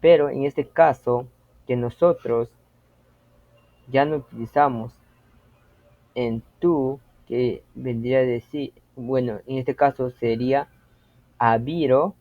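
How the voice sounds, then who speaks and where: A man teaching a language lesson, explaining slowly and patiently and repeating example phrases with care. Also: mid-range voice, steady tone, no echo. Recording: dry, tinny phone-like audio.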